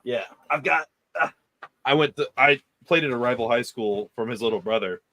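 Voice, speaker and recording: A man's voice: mid-range voice, moderate pace, bright, forceful tone. A man co-hosting a casual sports podcast, rambling with frequent restarts. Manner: rambling, full of restarts and fillers. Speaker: podcast co-host.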